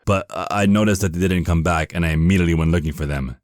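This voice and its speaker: Very deep male voice actor as a proud, defensive archangel, haughty, clipped, fantasy audio drama, dry close recording. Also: fast, no echo, natural voice.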